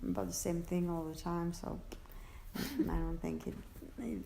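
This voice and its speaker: A woman answering interview questions about her work as an interpreter, halting and searching for words, often restarting. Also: on the low side, gravelly, dark tone, a little hiss or hum. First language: French. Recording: echoey room.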